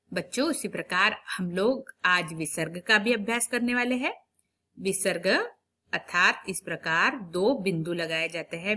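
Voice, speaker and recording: A woman teacher speaks slowly to young pupils, drawing out each sentence and repeating it for them to follow. Her pitch moves a lot, and her voice sounds bright and clear. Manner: slow, drawn-out dictation with repeated sentences; quicker, explanatory asides to pupils. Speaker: primary school Hindi teacher. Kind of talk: online lesson for young children.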